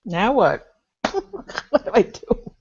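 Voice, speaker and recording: A woman's voice: medium pitch, very animated, slow pace, gravelly, a little hiss or hum. A woman at a spiritual gathering, sharing her experience over a video call, often laughing and sighing as she tells her story. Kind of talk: candid personal sharing. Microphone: remote video call. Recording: dull, lo-fi video call audio.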